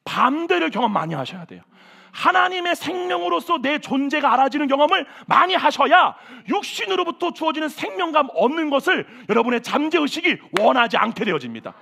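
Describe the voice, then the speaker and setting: A man preaching a sermon as senior pastor at a church service, animated and exclamatory, with self-mocking asides. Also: very high-pitched, a little fast, gravelly.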